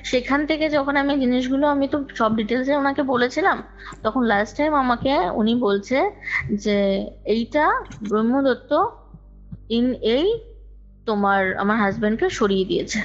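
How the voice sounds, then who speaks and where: Woman, highish voice, chatty storytelling w repeats, muffled call audio, bit of music behind. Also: expressive, measured pace, long pauses. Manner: talkative, repeats phrases for emphasis, mixes in English words. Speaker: guest recounting own ghost experience. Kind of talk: conversational personal storytelling. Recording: dull lo-fi call recording, music underneath.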